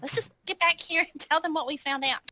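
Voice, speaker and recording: A woman's voice: high-pitched, fairly quick, bright, forceful tone. A woman playing a tabletop roleplaying game, improvising casual in-character dialogue in a wry way.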